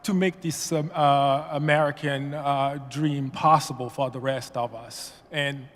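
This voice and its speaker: A man from Haiti giving public comment at a meeting, halting and full of fillers and restarts. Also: medium pitch, fairly even intonation, fairly bright tone. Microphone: podium mic. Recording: long reverb of a meeting hall.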